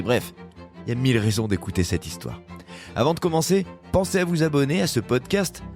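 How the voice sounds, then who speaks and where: A man hosting a podcast, reading an emphatic, lively intro and then interviewing his guest. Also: mid-range voice. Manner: lively, emphatic narration rising on key words. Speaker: podcast host.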